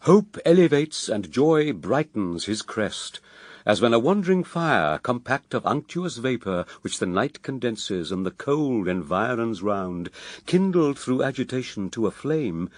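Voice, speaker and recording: A man's voice: medium pitch, sing-song, unhurried, no echo. A man narrating epic verse in a radio drama with dramatic, literary delivery.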